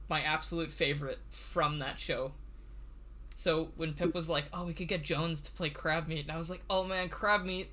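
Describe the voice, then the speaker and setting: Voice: medium pitch, pushed and bright, a little hiss or hum. A livestream host and series writer chatting casually on a computer mic, nervous, stammering and laughing often.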